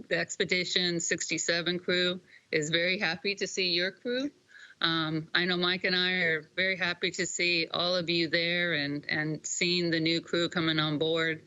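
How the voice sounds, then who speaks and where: Senior official, bright voice, halting informal congratulatory delivery, dry lo-fi line. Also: medium pitch, no echo. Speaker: senior official giving remarks. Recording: dull, band-limited link.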